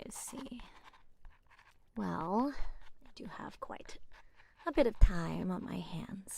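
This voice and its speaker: A woman playing a wry, curious forest witch in a soft-spoken ASMR fantasy roleplay, musing and gently teasing in a breathy half-whisper. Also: on the low side, exaggerated voice. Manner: unhurried, hushed, musing, politely teasing. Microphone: close-up ASMR microphone.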